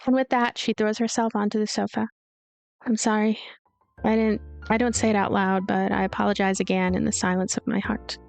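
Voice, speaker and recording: A woman's voice: mid-range voice, little pitch movement, brisk, vocal fry, darkish tone, soft background music. A woman reading a visual novel's story aloud as narrator, with light commentary of her own.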